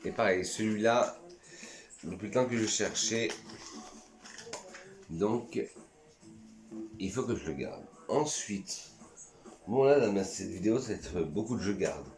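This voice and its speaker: A man's voice: on the low side, expressive, measured pace, pauses often, echoey room, music in the background. A man from France chatting casually and enthusiastically in a vlog, reviewing his perfumes and sometimes talking to himself. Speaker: perfume YouTuber.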